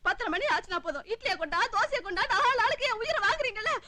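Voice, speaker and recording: Brief: feisty young maid, high fast scolding, film comedy. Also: female voice, expressive, a crowd in the background. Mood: angry. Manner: quick, scolding retorts. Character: sharp-tongued young housemaid. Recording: film soundtrack with music.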